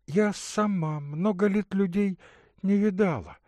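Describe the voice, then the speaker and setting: A man reading aloud and voicing a gentle, caring young woman who speaks in a soft, singsong lilt. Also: sits high, a little slow, no echo, studio quality, voice pushed up. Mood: tender.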